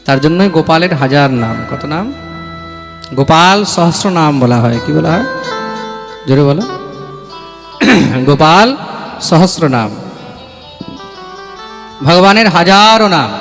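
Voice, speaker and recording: A man's voice: on the high side, expressive, takes it slowly, long pauses, a bit bright. A male preacher giving a devotional sermon, chanting verses and calling out for responses from his listeners. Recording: reverberant hall with music.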